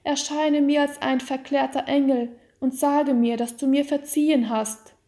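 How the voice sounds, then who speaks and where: A woman's voice: sits high, fairly even intonation, unhurried, mellow, voice pushed up. A woman voicing an anguished, remorseful count in a storybook, in an impassioned, pleading, exclamatory manner. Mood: horrified, pleading. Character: anguished, guilt-stricken count, adult man, horrified and remorseful. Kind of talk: dramatic storybook reading.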